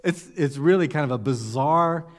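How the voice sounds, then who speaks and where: A man's voice: on the high side, moderate pace, in a large hall. A man preaching a conversational sermon, putting rhetorical questions to his listeners. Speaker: pastor.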